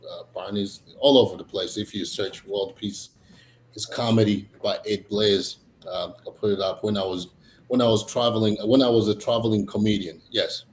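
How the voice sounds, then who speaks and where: A man from Tanzania, a comedian chatting casually as a guest, halting, with many fillers and restarts. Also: lowish voice, fairly even intonation. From Tanzania, East Africa. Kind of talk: casual interview chat. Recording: echoey room, faint noise.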